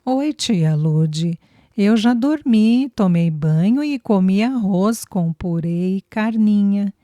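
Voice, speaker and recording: A woman voicing a small, lively little girl who talks in a childlike, eager, earnest way. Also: mid-range voice, slow, no room sound, studio quality.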